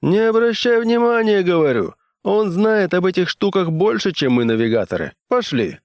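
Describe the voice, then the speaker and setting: A man's voice: high-pitched, sing-song, moderate pace, a little mellow, dry recording, pitched above the performer's own voice. A male audiobook reader voicing a rich, scheming male ship owner who mocks and gives orders. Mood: mocking. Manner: mocking, commanding.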